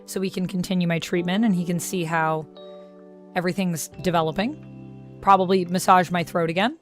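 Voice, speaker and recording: Chatty streamer woman with a low voice. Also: fairly even intonation, moderate pace, soft background music. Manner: chatty, reads chat aloud. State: recovering from vocal strain. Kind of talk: casual live-stream chat.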